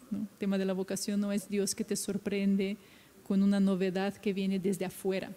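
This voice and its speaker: A woman's dark, mellow, somewhat breathy voice at medium pitch, with a Brazilian accent, a moderate pace and monotone, flat intonation. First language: Portuguese (speaking Spanish). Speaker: consecrated religious woman, youth minister. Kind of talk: testimony.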